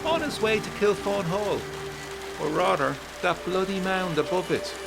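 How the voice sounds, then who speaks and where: A man voicing a gruff, scornful Irish local with a blunt manner and raised voice in a gothic 1920s audio drama. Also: high-pitched, unhurried, loud music behind the voice, pitched above the performer's own voice. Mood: scornful, indignant. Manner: blunt, raised voice over the rain. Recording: heavy rain noise behind.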